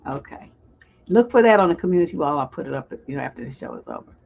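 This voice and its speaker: A woman with a lowish voice hosts a live call-in stream as a relationship coach. She talks in a loose, improvised way and reads viewers' comments aloud. The audio is dull and lo-fi, like a computer mic. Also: expressive, fast, gravelly. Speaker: relationship coach and show host.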